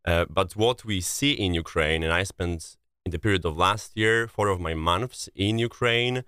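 A man from Poland with a thick Polish accent, answering as an interview guest and often pausing to search for words. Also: deep voice, sharp tone, smooth, dry recording, clean studio sound. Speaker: interview guest, relief coordinator.

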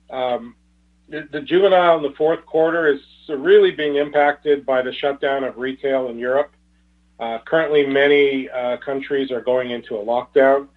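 A man speaking as a company executive on an earnings call, in a halting, hesitant way with repeated words. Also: medium pitch. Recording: tinny narrow phone-line conference call.

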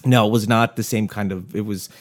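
A man who has lost his voice, gravelly and hoarse, co-hosting a casual comedy podcast and telling a story with jokes along the way. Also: lowish voice, fairly even intonation, a little fast. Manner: joking, storytelling with asides. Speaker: podcast co-host.

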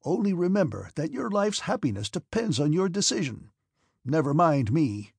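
A man reading the part of an irascible old prince who is a domineering father, with a sharp, scornful, shouting manner. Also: on the high side, sing-song, moderate pace, gravelly, breathy edge, no echo, clean studio sound, voice pushed up, exaggerated voice. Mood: angry shouting. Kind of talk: audiobook character reading.

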